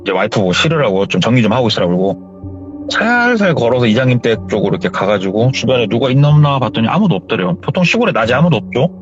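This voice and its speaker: A man's voice: mid-range voice, big pitch swings, quick pace. Man animatedly retelling a horror story. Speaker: horror story radio host. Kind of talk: told horror story, casual spoken. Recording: slightly dull recording with faint music.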